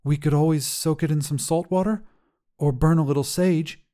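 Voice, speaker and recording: A man reads as a woman jeweler in an audio short story. The voice is mellow and lifted slightly over his narration. She comes across as gentle, kindly and earnest. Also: fairly high pitch, fairly even intonation, normal speed, voice pushed up, lightly acted. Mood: helpful. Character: gentle, earnest female jeweler with intuitive gift.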